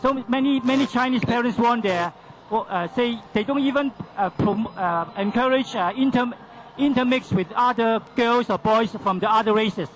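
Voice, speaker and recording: High-voiced man moderating a panel. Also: moderate pace, low-quality recording. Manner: questioning, ends lines with "huh?". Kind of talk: panel discussion.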